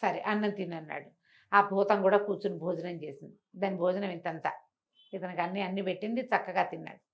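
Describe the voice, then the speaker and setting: A woman telling a bedtime folk tale in a conversational, animated way, often repeating phrases and acting out dialogue. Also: lowish voice, quick pace, highs cut off. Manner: conversational, with repetition and acted dialogue. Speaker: storyteller.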